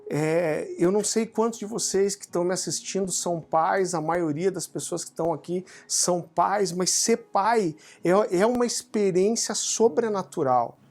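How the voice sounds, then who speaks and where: A man's voice: sits high, normal speed, few pauses, darkish tone. A Brazilian man preaching, who tells a personal story with humor and animation in a home setting. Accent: Brazilian Portuguese. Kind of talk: sermon testimony. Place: home living room. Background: faint guitar music.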